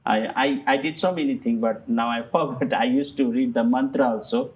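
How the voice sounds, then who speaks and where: Man, halting, filler-heavy English. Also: medium pitch, fairly even intonation, poor audio. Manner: halting non-native English with many fillers and restarts. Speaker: guest. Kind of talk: personal testimony in conversation.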